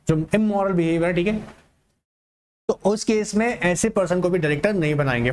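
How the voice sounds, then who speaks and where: An Indian man lecturing students in an online class, mixing Hindi and English, reading English lines slowly and then explaining quickly, often repeating points and telling them to remember. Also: on the high side, a little hiss or hum. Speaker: teacher. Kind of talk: online exam-prep lecture.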